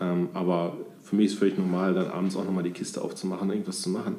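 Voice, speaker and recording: Very fast and monotone, a man speaks in a very deep, low pitch with a dark, mellow tone and audible room echo. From East Westphalia, Germany. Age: 40s. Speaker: IT manager, former army officer. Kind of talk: casual interview chat.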